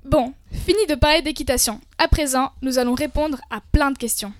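A young woman co-hosting a scripted debate show, lively and opinionated. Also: high-pitched, brisk, soft background music. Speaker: co-host.

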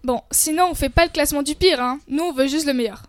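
A young woman co-hosting a scripted debate show, lively and opinionated. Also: high voice, fast, no room sound. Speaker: co-host.

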